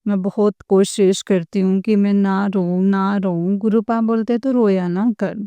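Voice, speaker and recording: Slow, tearful woman. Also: mid-range voice, fairly even intonation, warm tone, clear, resonant tone, dry recording, dull audio. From Punjab, India. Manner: slow and repetitive, keeps addressing the congregation. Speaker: devotee sharing a testimony. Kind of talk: devotional testimony.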